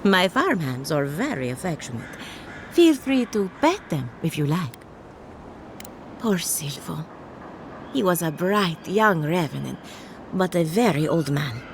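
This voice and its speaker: An actress playing a solemn, caring woman scholar who tends a farm, speaking in a measured, gently formal way. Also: lowish voice, big pitch swings, background noise. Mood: gentle, mournful. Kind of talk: video game character dialogue.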